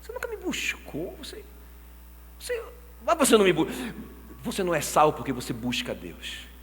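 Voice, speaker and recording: A Brazilian man in his thirties preaching a sermon as pastor, telling stories with swings from quiet talk to shouting. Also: high voice, moderate pace. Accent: Brazilian Portuguese. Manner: animated storytelling, swings from soft to shouting. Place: church hall. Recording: long church hall reverb.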